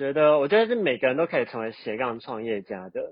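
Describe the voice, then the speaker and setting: A man with a medium-pitched voice speaks very fast, his pitch varying in an ordinary way. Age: 20s. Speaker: young entrepreneur and content creator. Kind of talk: casual interview.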